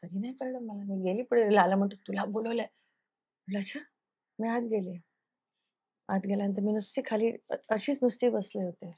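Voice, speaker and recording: Earnest actress telling a personal story. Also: female voice, mid-range voice, fairly even intonation, brisk, long pauses, a little mellow, breathy edge. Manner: earnest, recounts events by acting out quoted dialogue; slips English phrases into her speech. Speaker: television actress, interview guest.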